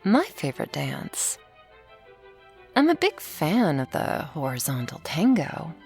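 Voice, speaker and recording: A woman in an ASMR roleplay plays a commanding, teasing werewolf hunter who talks slowly and deliberately. Her voice is deep and gravelly, with a dominant, playful authority. Faint string music runs quietly beneath her. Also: huge pitch swings.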